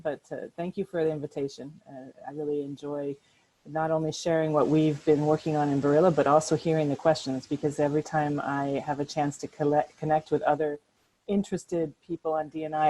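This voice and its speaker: Middle-aged American woman, deep and warm, loose talk with fillers, presenting on a video call from home. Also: poor audio. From United States. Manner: conversational, hesitant restarts with many fillers. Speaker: workshop speaker. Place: apartment at home.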